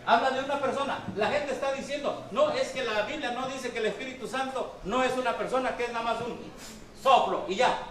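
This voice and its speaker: A man's voice: extremely high pitch, brisk, a bit bright. A man preaching a sermon and reading from the Bible, quizzing the congregation with questions as he goes. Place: church hall. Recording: very echoey hall, from far off.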